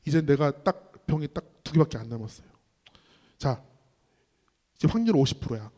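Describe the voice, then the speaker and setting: A man voicing a sly, mocking male devil who taunts and tempts. He speaks low and hushed. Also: animated, normal speed, lightly acted. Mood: taunting. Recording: long reverb in a hall.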